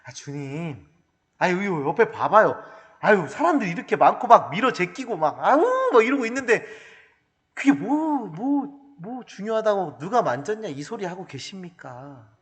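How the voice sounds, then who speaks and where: A man's voice: high voice, big pitch swings, moderate pace, in a large hall, pitched above the performer's own voice. A man doing impatient, pushy disciples. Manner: pushy, exasperated pleading. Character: impatient male disciples urging haste.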